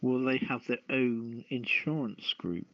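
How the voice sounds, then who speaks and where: A man's voice: mid-range voice, a little slow. A man co-hosting a casual radio chat about the news, musing and jokey, often posing questions. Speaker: radio show co-host. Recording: muffled lo-fi audio.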